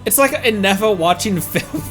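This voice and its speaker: A man's voice: high-pitched, animated, unhurried, fairly bright tone. A man streaming a video game with casual, playful live commentary, reacting and exclaiming as he plays. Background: faint game music.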